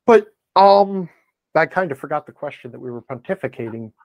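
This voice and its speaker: A man's voice: fairly high pitch, lively intonation, a little fast, a little mellow, no echo. A man speaking as a podcast guest in a conversational interview, wordy and opinionated as he explains things. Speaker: podcast guest, game blogger and author.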